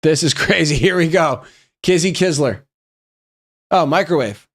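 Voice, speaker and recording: Reading out memes sent by viewers during a live stream, this young man speaks at a measured pace in a slightly high voice. He riffs on them casually, frequently swearing and breaking into laughter.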